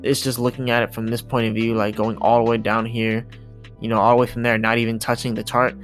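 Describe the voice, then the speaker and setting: A man's voice: medium pitch, level tone, fast. A man giving casual, repetitive, hyping commentary over charts as a video host. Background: music.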